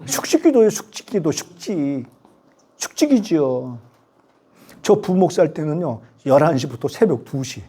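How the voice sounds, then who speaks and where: A man's voice: fairly high pitch, lively intonation, measured pace, warm tone, slightly rough. Chatty older male professor lecturing. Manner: chatty storytelling, rhetorical questions. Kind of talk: university lecture.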